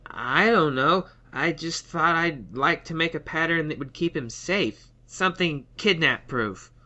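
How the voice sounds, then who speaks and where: A woman's voice: sits low, animated, measured pace, pushed and bright, heavily acted. A woman playing a timid, earnest, hesitant crafter in an audio comedy drama. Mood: unsure, earnest. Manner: hesitant, nervous. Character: timid, anxious, earnest crafter named Tristan. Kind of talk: audio fiction comedy acting. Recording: dull, band-limited microphone sound.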